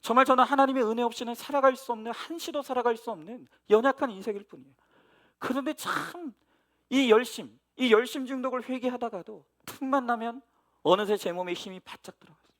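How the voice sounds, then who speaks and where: A middle-aged man preaching a sermon as pastor, earnest, swinging between loud emphasis and hushed, near-whispered passages. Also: very high-pitched, brisk.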